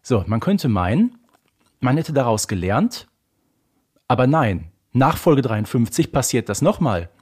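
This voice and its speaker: A man's voice: mid-range voice, very animated, a little slow, a little mellow, slightly rough. A man co-hosting a podcast, talking casually and emphatically in a mock-exasperated rant. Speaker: podcast co-host. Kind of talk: casual discussion of an audio drama series.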